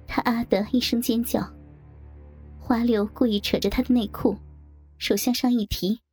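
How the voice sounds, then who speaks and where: A woman reads a story aloud in a steady, expressive first-person narration. Her voice sits a little high and has a husky, breathy edge. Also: moderate pace, faint music behind.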